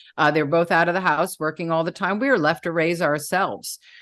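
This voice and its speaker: Against a quiet background, a woman with a normal speaking voice talks at a fairly quick pace with a fairly low pitch. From New York City. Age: 60s. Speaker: author. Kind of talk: interview.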